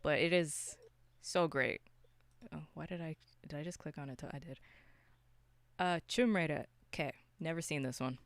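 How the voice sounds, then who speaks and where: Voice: medium pitch, moderate pace, pauses often, no echo. A podcast co-host from Canada chatting casually about movies in an opinionated, slangy way.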